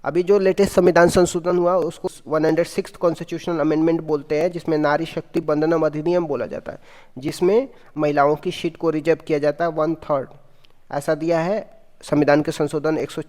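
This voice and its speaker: A man with a somewhat high voice runs an exam-prep quiz lesson. He asks each question and answers it himself. His voice carries a long hall reverb. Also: darkish tone. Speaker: teacher.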